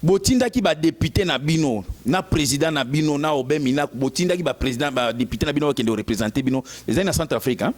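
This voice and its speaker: A man's voice: fairly high pitch, animated, fast talker, hardly any pauses. A Congolese man giving informal political commentary.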